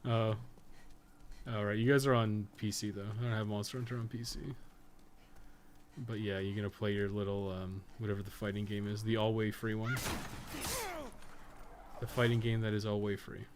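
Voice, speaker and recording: A man's voice: on the low side, flat delivery, moderate pace, pauses often, noisy background. A man doing casual, profane, joking video game commentary as he chats with stream viewers. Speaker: live streamer, podcast co-host.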